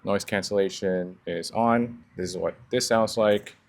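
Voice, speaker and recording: A man's voice: lowish voice, a little slow. A man giving a casual gear review outdoors in a park, speaking into a small wireless clip-on mic, with the sound passed through noise cancellation that leaves reduction artifacts. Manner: relaxed, demonstrating as he talks. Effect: noise cancellation processing with reduction artifacts. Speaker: product reviewer.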